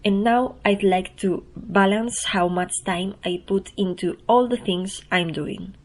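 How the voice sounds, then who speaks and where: A woman's voice: medium pitch, unhurried, slight background noise. A woman with a Spanish accent, who speaks English as a second language, hosts her own podcast in a chatty, self-deprecating way. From Spain. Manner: chatty and self-deprecating, soft-spoken, laughs at herself. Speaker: newsletter writer and podcast host. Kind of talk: casual spoken podcast intro, reading her newsletter.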